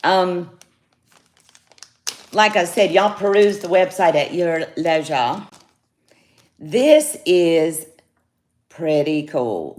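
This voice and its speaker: A woman chatting casually on a jewelry livestream, greeting viewers by name. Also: lowish voice. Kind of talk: casual live sales chat. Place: home studio, indoors.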